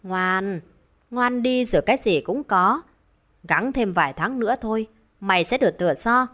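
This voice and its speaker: A woman's voice: medium pitch, lively intonation, normal speed, fairly bright tone, natural voice. A woman voicing a distraught older village man who talks in frantic, stammering repeats. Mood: coaxing. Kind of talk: dramatized horror storytelling.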